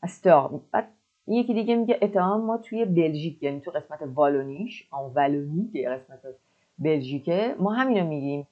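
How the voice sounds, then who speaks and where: A woman teaching French. She explains words in Persian and repeats French phrases slowly and carefully. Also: deep voice, animated, dull audio. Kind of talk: explaining a language lesson.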